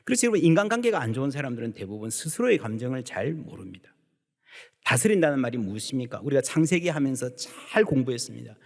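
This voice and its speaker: A male pastor preaching a sermon in a church sanctuary, lively and emphatic, acting out the voices he quotes. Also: mid-range voice, fast, vocal fry. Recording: long church hall reverb.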